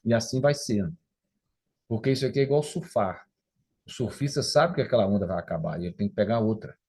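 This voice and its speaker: A middle-aged man giving a motivational lecture, with a warm, darker tone and a slightly husky edge to his voice. He talks to the audience conversationally and keeps tagging his points with quick rhetorical questions. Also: on the low side, lively intonation. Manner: conversational, tags sentences with rhetorical "né?".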